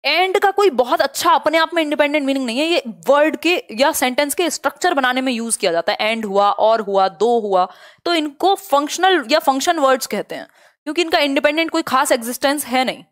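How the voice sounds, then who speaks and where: Her voice sits high with lively intonation as this young woman leads a live online class on English pedagogy in a blend of Hindi and English. She reads definitions slowly and frequently asks whether students are keeping up.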